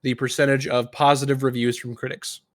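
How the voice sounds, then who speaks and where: A man's voice: mid-range voice, little pitch movement, brisk, no echo. A man speaking casually as a podcast host, chatting and explaining things to the others. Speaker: podcast host moving segments along.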